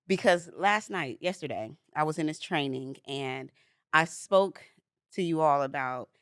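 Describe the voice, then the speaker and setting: A woman's voice: deep voice, expressive, measured pace, fairly bright tone, smooth, dry recording, clean studio sound. A woman in her forties co-hosting a podcast, telling a story in casual chat and laughing easily. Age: 40s. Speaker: podcast co-host.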